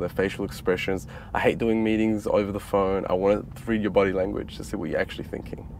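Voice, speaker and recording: A man talks at a very fast pace in a fairly low pitch, his intonation monotone and flat. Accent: Australian. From Australia. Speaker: podcast host, business owner. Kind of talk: casual interview chat.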